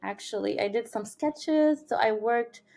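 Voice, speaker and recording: Higher-voiced Syrian-born woman. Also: a little slow, gravelly. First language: Arabic. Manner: earnest, animated, many fillers and restarts. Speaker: podcast guest. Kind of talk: conversational interview storytelling.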